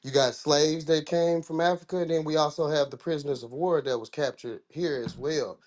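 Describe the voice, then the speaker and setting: A man's voice: on the high side, brisk, darkish tone. A man from the American South with a Southern accent, talking in a casual discussion, rambling and restarting his sentences in informal speech.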